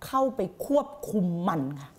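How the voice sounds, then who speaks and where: A woman life coach on a late-night motivational live stream, blunt and crude with heavy slang, fiery and intense as she answers viewers. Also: normal speed. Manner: fiery and intense, reads viewer comments aloud.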